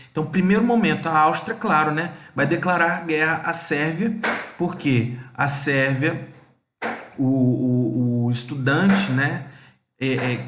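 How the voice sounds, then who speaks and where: A man's voice: fairly high pitch, fairly bright tone, reverberant. A male history teacher with a Brazilian Portuguese accent, explaining a lesson and asking himself questions, with many restarts and fillers. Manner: explanatory, poses and answers his own questions. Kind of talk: recorded classroom lesson.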